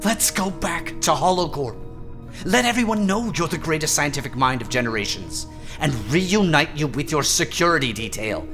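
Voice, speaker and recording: A woman playing a loyal, excitable but pragmatic scientist's assistant in an audio drama. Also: sits low, moderate pace, over music. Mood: pleading, persuasive. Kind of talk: audio fiction drama acting.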